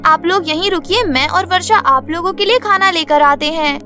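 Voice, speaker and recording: A woman's voice: very high-pitched, normal speed, sharp tone, soft background music. A woman playing a kindly, caring young village girl in a cartoon story.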